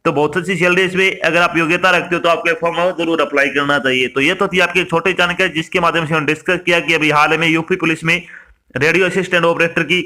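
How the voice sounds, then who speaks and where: A man's voice: on the high side, bright, forceful tone. A man from India giving an instructional explainer, reading out lists and addressing listeners directly. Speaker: exam information presenter.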